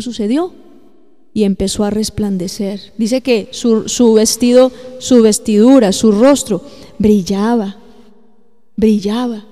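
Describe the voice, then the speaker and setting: Woman preacher, animated sermon with questions to the congregation, church echo. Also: fairly high pitch. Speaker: pastor.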